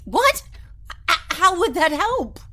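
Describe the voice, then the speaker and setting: A woman's voice: very high voice, sing-song, takes it slowly, sharp tone, full character voice. An actress playing Anna, an earnest young woman in a retro sci-fi radio drama, pleading and stammering when upset. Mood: alarmed. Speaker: first-person narrator and lead. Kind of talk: golden-age style radio drama acting.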